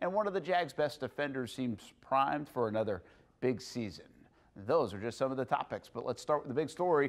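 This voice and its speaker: Lively intonation marks a man's fairly quick delivery. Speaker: sports TV host. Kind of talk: news presentation. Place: studio. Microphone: lapel.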